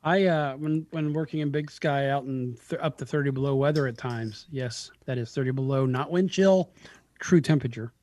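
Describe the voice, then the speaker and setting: A man's voice: mid-range voice, moderate pace, darkish tone. A man co-hosting a casual talk show, bantering and joking with the host. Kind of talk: casual chat.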